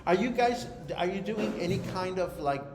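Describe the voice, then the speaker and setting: A man's voice: sits high, lively intonation, moderate pace, over a noisy crowd. A man hosting a live interview show, playful and chatty, drawing out his phrases. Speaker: talk show host. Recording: echoey room with background noise.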